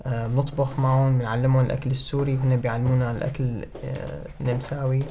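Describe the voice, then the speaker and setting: A young man from Syria, a native Arabic speaker, talking in a relaxed, friendly way in a casual interview at a kitchen table. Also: mid-range voice, rapid-fire, slight background noise. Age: young adult. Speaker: refugee interviewee. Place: indoors, home kitchen table.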